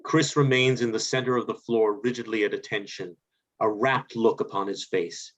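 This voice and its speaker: A man's voice: on the low side, fairly even intonation, normal speed, fairly bright tone. A man reading stage directions as scripted narration for a play, over a video call. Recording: dull video call audio.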